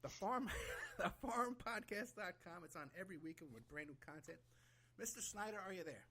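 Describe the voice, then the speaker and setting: A man's voice: high voice, expressive, pushed and bright. A man hosting a podcast, talking casually and enthusiastically with lots of fillers. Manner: fast, enthusiastic, frequent laughs and fillers. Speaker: podcast host. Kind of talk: casual interview chat.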